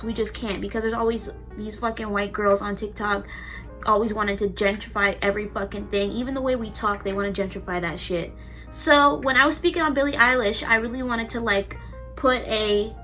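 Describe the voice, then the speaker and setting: A woman's voice: fairly high pitch, sharp tone. A young woman doing her makeup on camera in a casual vlog, talking bluntly and heatedly and swearing freely. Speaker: beauty vlogger.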